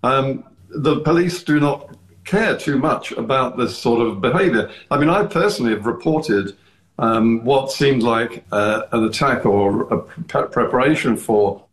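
A man who is a guest on a radio discussion, speaking in a measured, deliberate and firm way. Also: medium pitch. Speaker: studio guest. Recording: roomy echo.

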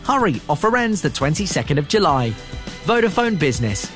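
Male ad voice-over, high and lively, salesy, faint music bed. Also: fairly quick. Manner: upbeat, salesy. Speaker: advert voice-over. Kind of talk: scripted ad read.

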